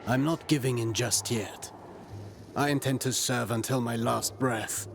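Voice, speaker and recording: An actor playing a loyal, troubled but dutiful warrior in a video game, with a grave, deliberate delivery. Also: male voice, medium pitch, fairly even intonation, gravelly, a little hiss or hum. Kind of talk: video game cutscene acting.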